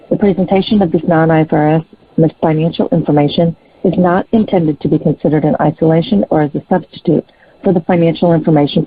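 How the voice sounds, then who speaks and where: Over a narrow, dry phone line, a husky voice reads out scripted disclaimers. The speaker moderates a corporate call and keeps a formal, procedural tone throughout. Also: medium pitch, no room sound. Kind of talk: scripted legal disclaimer, read out.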